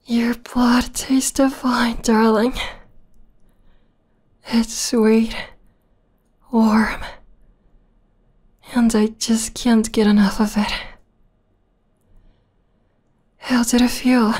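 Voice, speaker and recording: Woman doing a yandere vampire girl for asmr, soft n breathy, kinda high, super slow, clingy and menacing. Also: flat delivery. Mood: blissful, doting. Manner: soft, breathy, intimate, lingering delivery with whispers. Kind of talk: ASMR roleplay.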